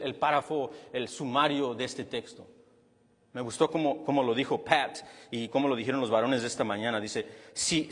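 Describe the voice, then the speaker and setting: A male pastor preaching a sermon with a husky voice, animated and then dropping low and quiet to stress a point. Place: church hall with long reverb. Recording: reverberant church hall.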